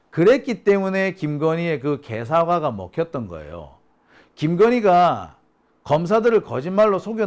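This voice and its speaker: A man hosting a live political commentary stream, talking in a combative, mocking way with bursts of swearing, and reading out viewer chat comments. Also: on the high side. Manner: combative, mocking, profane outbursts. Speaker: political commentary channel host.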